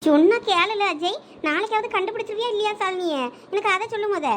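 A woman's voice: very high-pitched, fairly quick, a little hiss or hum. A woman voicing an anxious, tearful young wife in a comedy skit, with a pleading, fretful manner. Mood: insistent. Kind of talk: comedy skit role-play.

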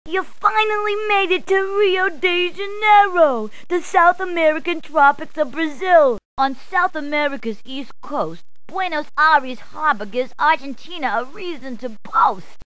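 High-pitched, jokey New policewoman. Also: a little slow, few pauses, a bit bright, no echo, poor audio. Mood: brash, playful. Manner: playful, punning, emphatic delivery. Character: brash, jokey New York policewoman giving directions. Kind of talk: scripted video game character clips.

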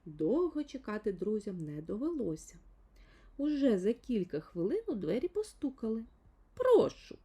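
A woman narrates a fairy tale for children in a mellow, slightly husky voice. Her pitch is mid-range but moves widely, giving an expressive, storybook read. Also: normal speed.

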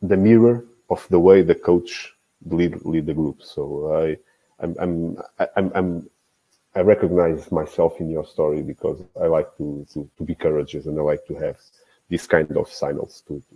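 Halting, husky, deep-voiced man on a video call. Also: fairly even intonation, warm tone, low-quality recording. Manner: halting, many restarts and repeated words. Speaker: guest football coach. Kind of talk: casual interview talk. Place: small indoor room. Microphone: video call, earphones with mic.

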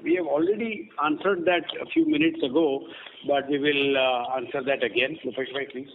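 A man's voice: mid-range voice, expressive, moderate pace, gravelly. A man, a company executive answering questions on an earnings call in a blunt, dismissive way. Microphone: conference phone call. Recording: narrow noisy phone line.

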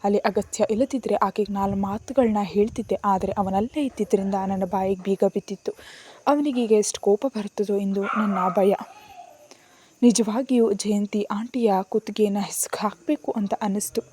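Storyteller: woman, emotive first-person narration, warm mellow timbre. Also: medium pitch, steady tone, normal speed, breathy edge.

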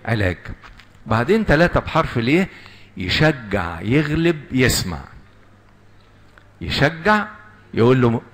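A man with an Egyptian Arabic accent preaching a sermon to young people, quizzing the audience and drawing out lists slowly and emphatically. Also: mid-range voice, big pitch swings. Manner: asks the audience questions and answers them. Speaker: lay preacher.

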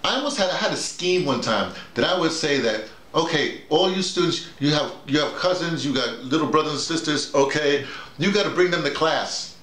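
Talking casually to colleagues, a middle-aged or older man who leads workshops and teaches radio drama uses a fairly bright voice on the high side with lively intonation. He's emphatic and teacherly, halting and repeating words again and again, seated in a small, echoing room with bare walls.

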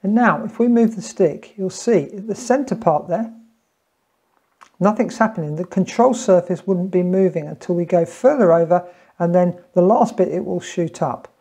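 His voice is high, dark and slightly rough, at normal speed. He's a tutorial presenter in his fifties giving plain-spoken, informal step-by-step instructions in a small room at home.

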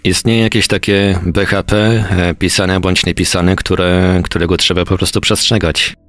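A man hosting a radio interview, putting questions in measured, formal phrases. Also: sits low, flat delivery, a bit bright, dry recording. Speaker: radio host.

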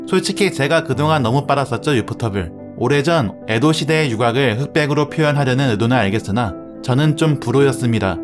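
A man narrating a scripted anime review as the reviewer. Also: medium pitch. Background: music.

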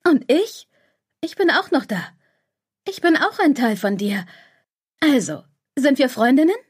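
A woman's voice: high-pitched, big pitch swings, unhurried, pitched above the performer's own voice. A woman voicing a clingy, anxious inner voice that nags and stirs up fear in an audiobook. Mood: wheedling. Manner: insistent, fearmongering, wheedling.

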